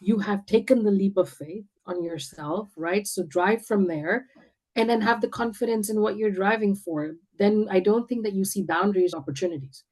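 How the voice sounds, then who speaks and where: A woman's voice: medium pitch, moderate pace, a little mellow, poor audio. A woman from India speaking as an interview guest, talking confidently and emphatically with frequent restarts. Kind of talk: casual interview chat.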